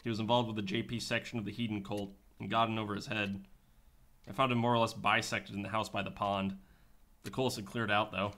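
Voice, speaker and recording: A man's voice: lowish voice, level tone, a little fast, bright, forceful tone. A man playing a laid-back, sardonic private detective in a sci-fi radio drama, with a dry, offhand manner. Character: wry, laid-back male private detective in futuristic Boston. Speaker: actor in a radio play.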